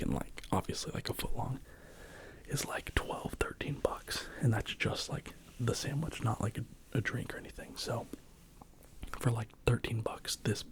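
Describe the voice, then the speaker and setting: Casting: American male ASMR creator, hushed whisper with some creak, casual meandering chat, close-miked. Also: medium pitch. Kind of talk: soft-spoken ASMR rambling, mostly whispered.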